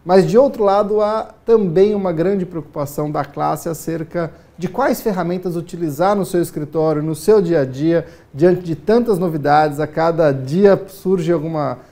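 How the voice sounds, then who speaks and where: A man in his forties answering a TV interviewer in formal, measured speech with frequent hesitant fillers, recorded on a lapel mic in a news studio. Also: on the high side, warm tone. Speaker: studio guest, lawyer.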